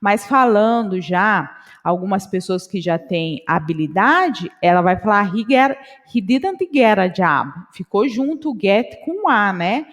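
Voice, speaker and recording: Brazilian woman teaching english, slow and careful, long echo around her. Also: mid-range voice, animated, a bit bright. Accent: Brazilian Portuguese. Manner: slow, repeats English phrases and translates them. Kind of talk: online English lesson.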